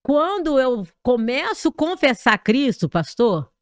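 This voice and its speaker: A woman's voice: high voice, measured pace, no room sound, studio quality. Brazilian woman pastor telling a vivid testimony. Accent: Brazilian Portuguese. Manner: vivid, animated storytelling with sound effects. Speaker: pastor, podcast guest. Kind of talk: dramatic personal testimony. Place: podcast studio.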